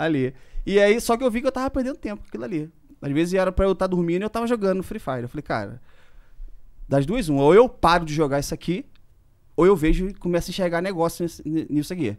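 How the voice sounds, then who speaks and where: Against a quiet background, the voice races at a very fast pace with very wide pitch swings and long, frequent pauses. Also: man, high pitch for a man. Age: 40s. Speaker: esports league CEO; podcast guest. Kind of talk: casual chat. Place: studio. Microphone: studio mic.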